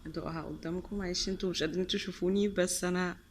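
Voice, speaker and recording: A woman's voice: on the low side, steady tone, very fast, a little hiss or hum. A woman with an Egyptian Arabic accent chatting casually on her vlog as she tastes sweets, gushing and repeating words for emphasis and sprinkling in English and French words. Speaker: vlogger. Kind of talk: casual taste-test chat.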